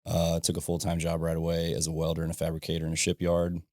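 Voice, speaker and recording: A man in his thirties with a low, gravelly voice, talking easily on a podcast and often tossing in "you know what I mean". His voice sounds close and dry, with no room echo, as if recorded in a small studio. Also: monotone, fast talker, darkish tone. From southern Illinois, USA. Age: 30s. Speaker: podcast guest, ironworker and business owner. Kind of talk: casual conversation.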